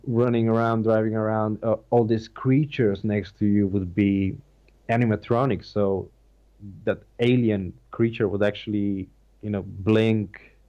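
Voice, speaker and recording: Lo-fi audio captures a man's fairly low, warm voice as he takes part in a casual call interview as an actor guest. Slovenian is his first language and shows in his accent, and he keeps pausing to find words and begin again.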